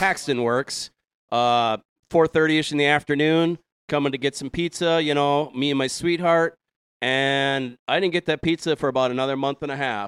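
A man with a Wisconsin accent speaks at a fairly high pitch with ordinary pitch variation, the sound dry and close with no echo and the recording very clean against a silent background. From US Midwest, Wisconsin. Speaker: beer enthusiast and engineer. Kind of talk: casual chat. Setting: studio. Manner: talkative.

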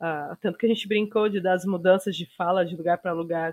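A woman's voice with ordinary pitch variation. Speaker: Portuguese language teacher. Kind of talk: casual chat. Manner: animated.

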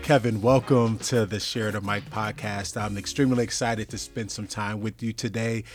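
With music in the background, a man talks at a moderate pace and a fairly low pitch, leaving hardly any pauses. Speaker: school superintendent. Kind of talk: interview conversation.

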